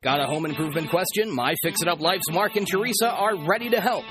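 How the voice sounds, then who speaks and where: A man's voice: high voice, quick pace. A male announcer reading a polished, upbeat radio promo. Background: loud music bed.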